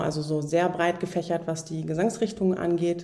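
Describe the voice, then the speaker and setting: A woman speaks at a moderate pace with a fairly low pitch over noticeable background noise. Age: 30s. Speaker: singer and vocal teacher. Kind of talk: casual interview.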